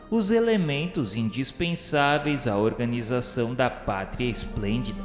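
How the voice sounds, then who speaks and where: A Brazilian man narrates a religious radio drama in a formal, solemn style. His mid-pitched voice sits in long, echoing reverb with music playing underneath. The delivery is grandiloquent and literary, clearly read from a script.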